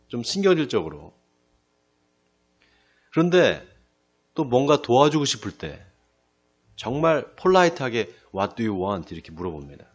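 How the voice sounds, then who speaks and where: A male pastor giving a sermon. He asks the congregation questions and answers them himself, slows down to stress key phrases, and often drops to a quiet close. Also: mid-range voice, lo-fi sound. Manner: lively preaching, rising then dropping to a quiet close. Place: church sanctuary.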